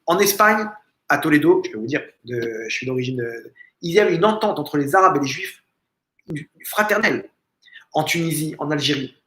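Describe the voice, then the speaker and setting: A rabbi giving an informal religious lesson in a family home, asking rhetorical questions and repeating phrases with emphasis. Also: male voice, fairly high pitch, animated, normal speed, fairly bright tone. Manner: frequent restarts and stumbles. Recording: echoey room.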